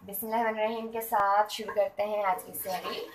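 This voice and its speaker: A woman's voice: medium pitch, flat delivery, fast talker. Woman, casual cooking vlog, homely chatter, home kitchen, clattering pans, noisy recording. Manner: chatty, homely, talks while working. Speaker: cooking vlogger. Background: clatter of pots and dishes.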